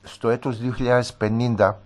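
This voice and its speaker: A man's voice: medium pitch, flat delivery. A man speaking as a guest on a studio radio discussion, earnest and emphatic, repeating his points.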